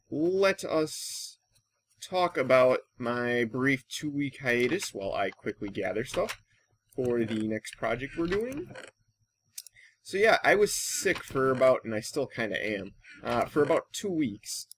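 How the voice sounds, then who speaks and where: A man's voice: mid-range voice, a little hiss or hum. Male gaming host, mid-range voice, informal off-the-cuff commentary, hesitant delivery that wanders and trails off. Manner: halting, thinks aloud, trails off. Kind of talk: casual rambling Let's Play commentary.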